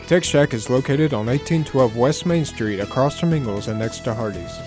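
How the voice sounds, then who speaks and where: Young male, radio announcer, scripted commercial narration, mid pitch, music bed. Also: lively intonation, moderate pace. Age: young adult. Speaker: media student and radio announcer.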